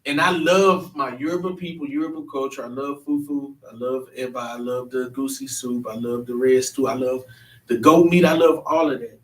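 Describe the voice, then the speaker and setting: A man with a medium-pitched, steady, slightly bright voice hosts a church panel discussion at a moderate pace. He talks earnestly and emphatically, often restarting his sentences. The room echoes and the mic sits at a distance.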